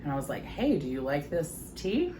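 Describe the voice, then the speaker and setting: A woman in her thirties chatting casually in her home kitchen as she tastes her food, often pausing to savor it with soft hums. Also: low-pitched, big pitch swings, background noise. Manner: chatty, savoring bites with frequent mm sounds. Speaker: home cooking vlogger. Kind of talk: casual chat while tasting food.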